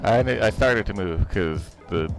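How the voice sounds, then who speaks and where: A man's voice: lowish voice, animated, unhurried. A man casually chatting with a fellow player during an online game. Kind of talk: casual gaming chat. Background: music, other players chattering.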